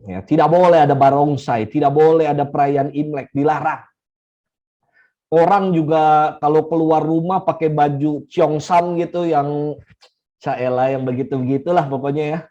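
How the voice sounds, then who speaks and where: A middle-aged man from Indonesia, a Catholic priest, giving an unhurried teaching talk to his congregation and repeating key phrases for emphasis. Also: a little high, steady tone, dark tone. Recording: slightly dull lo-fi recording.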